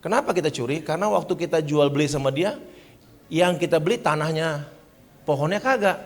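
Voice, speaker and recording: A man's voice: a little high, brisk. A man preaching, telling funny stories between points. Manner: lively storyteller, acts out voices. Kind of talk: sermon with comic storytelling. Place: church. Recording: church hall reverb.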